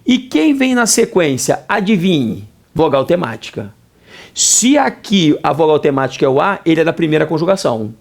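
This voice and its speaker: A middle-aged Brazilian man teaching grammar in a video lesson, lively, asking himself questions in a student's voice and answering them. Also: on the high side, moderate pace, gravelly. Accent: Brazilian Portuguese.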